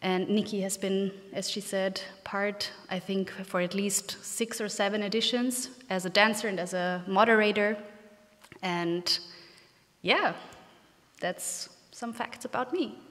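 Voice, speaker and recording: Woman host, mid-pitched, chatty and upbeat, reverberant hall sound. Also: measured pace, a bit bright. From Austria. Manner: chatty, upbeat, laughs between remarks. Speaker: host, dance festival organizer. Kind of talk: casual interview conversation.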